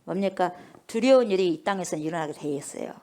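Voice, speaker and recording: Woman pastor preaching, animated and questioning the congregation throughout. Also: fairly low pitch, quick pace. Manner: rhetorical questions, constantly addressing the congregation. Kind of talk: sermon.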